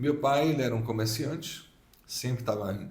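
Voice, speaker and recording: Somewhat breathy speech comes at a fairly slow pace with ordinary pitch variation and audible room echo. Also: man. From Bahia, Brazil (Feira de Santana). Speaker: massage therapist. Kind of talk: podcast interview.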